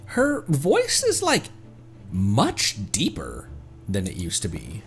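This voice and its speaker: A man streaming a game with casual, reactive and somewhat halting live commentary. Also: lowish voice, huge pitch swings, faint music behind.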